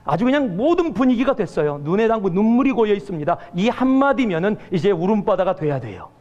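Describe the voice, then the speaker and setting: A man's voice: high-pitched, big pitch swings, quick pace, a little mellow, highs cut off. A male pastor giving a sermon and telling stories with acted-out quotes. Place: church sanctuary. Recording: church hall reverb.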